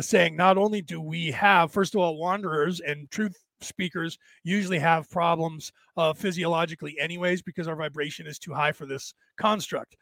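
A man with a raspy, tired, worn-out voice, talking casually and haltingly as he hosts a rambling livestream and answers listeners. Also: a little high, no room sound. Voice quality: raspy, damaged-sounding voice from long-standing vocal cord trouble. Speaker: host of a spiritual talk livestream.

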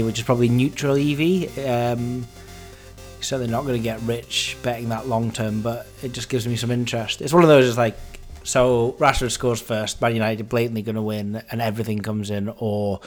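This podcast host delivers a rambling, off-the-cuff monologue from a home office, cutting himself off and letting slip the odd mild swear word. He talks at medium pitch and a moderate pace. Fan noise, a running television and faint music sit behind his voice.

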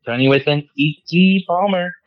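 A man's voice: on the high side, normal speed, no echo. Man on a muffled, wind-tunnel phone line. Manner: eager, rambling fan talk. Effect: muffled phone line that sounds like a wind tunnel. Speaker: podcast co-host. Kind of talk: casual chat. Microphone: phone call.

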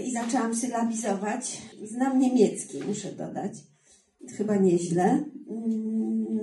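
A woman's voice: medium pitch, warm tone, echoey room, distant mic, low-quality recording. A woman, a book editor with a translator's diploma, telling stories in a podcast conversation, self-deprecating and emphatic.

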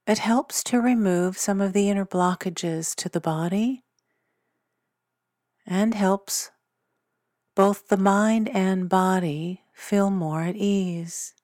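A woman leading a guided body scan meditation in a gentle, soothing manner. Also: medium pitch, fairly even intonation, takes it slowly, no room sound, clean studio sound.

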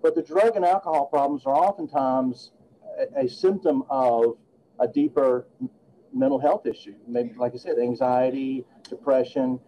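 A man's voice: mid-range voice, normal speed, muffled recording, slight background noise. A man in his late fifties, a guest attorney talking earnestly and reflectively in a podcast interview. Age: 50s.

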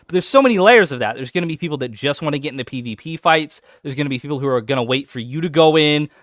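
This podcast co-host has a slightly high voice and talks fast, captured in a dry, studio-quality recording. Chatting casually, he grows more and more enthusiastic and turns animated when something excites him.

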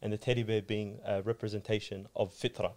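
Male guest in a relaxed chat, rattles off a story, low monotone, peppered with "you know what I mean". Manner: rapid, flat delivery with frequent "you know what I mean". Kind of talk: casual chat.

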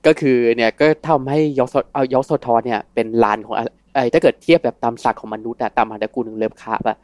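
A man's voice: mid-range voice, quick pace, a little mellow, no echo. A man co-hosting a podcast, explaining lore at length in casual chat and laughing between points.

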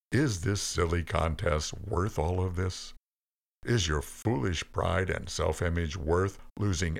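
A man's voice: low voice, gravelly. A man voicing God as a patient, compassionate father figure who pleads earnestly but firmly in a storybook reading. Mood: tender, urgent. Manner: earnest, pleading, gently firm.

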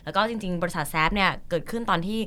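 A young woman guest on a podcast, telling stories in a frank, lively, laughing way. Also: fairly low pitch, racing, clean tone. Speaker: guest, creative marketing at an events firm. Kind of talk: casual podcast conversation.

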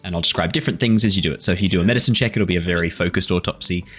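A man acting as game master, explaining and narrating a tabletop role-playing game in a halting, explanatory way. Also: deep voice, fairly bright tone, breathy edge, soft background music. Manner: halting, explanatory, repeats himself.

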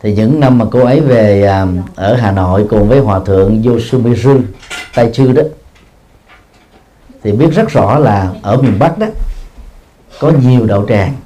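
A male Buddhist monk teaching in a mellow, relaxed voice. He explains patiently, padding his phrases with a drawn-out filler and sometimes chuckling at his own stories. The talk is recorded in a practice hall. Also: fairly low pitch. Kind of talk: dharma talk answering questions.

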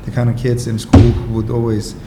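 A relaxed, wry middle-aged man whose native language is Icelandic. He speaks in English as an interview guest, joking at his own expense. His voice sits at a medium pitch in a roomy space with a clear background hum. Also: brisk. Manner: relaxed, wry, self-deprecating, laughs often. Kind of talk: casual conversational interview.

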